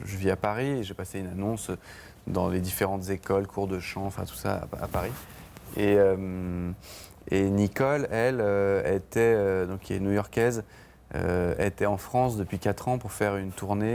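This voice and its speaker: A man's voice: sits low, vocal fry, darkish tone, a little hiss or hum. A man, a band's songwriter, talking casually in a TV interview, hesitant, with many fillers and restarts. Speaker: band songwriter, interview guest. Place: TV studio.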